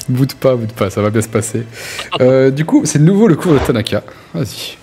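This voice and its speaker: A man's voice: medium pitch, big pitch swings, normal speed, warm tone. A man narrating a tabletop role-playing game as game master, informally and with relish for gory detail. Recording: music laid under the voice. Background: background music.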